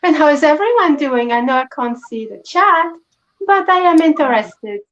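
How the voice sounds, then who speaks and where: A woman guest with a French-tinged English accent, chatting casually over a remote call with soft, short answers. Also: high voice, lively intonation, moderate pace. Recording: dull lo-fi remote call audio.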